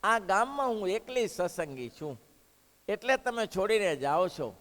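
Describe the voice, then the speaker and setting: A man's voice: high-pitched, sing-song, measured pace, a bit bright, heavily acted. A man voicing a devout old village woman who pleads earnestly with a holy guest, in an echoey hall. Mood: pleading.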